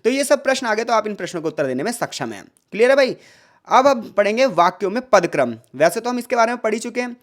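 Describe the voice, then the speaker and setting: A man's voice: high voice, big pitch swings, fast talker. A male tutor giving an exam-prep lecture, asking rhetorical questions, calling his listeners brother and mixing English words into his talk. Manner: mixes English words into Hindi.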